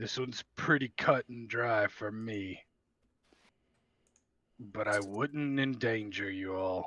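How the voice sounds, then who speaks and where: A quiet, put-on character voice from a man at medium pitch, fairly slow with long, frequent pauses, big swings in loudness and ordinary pitch variation. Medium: actual play. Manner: quiet, terse.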